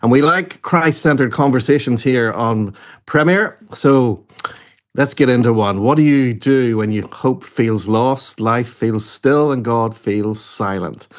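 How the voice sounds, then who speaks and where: A man hosting a daytime Christian radio show, introducing and interviewing a guest in a gentle, measured way, sometimes repeating words when unsure. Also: medium pitch.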